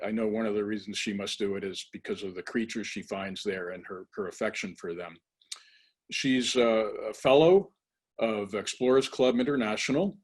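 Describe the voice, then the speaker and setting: A man hosting an interview who introduces his guest in a halting way, pausing often. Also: on the low side, slightly rough. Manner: halting, with many pauses. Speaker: host.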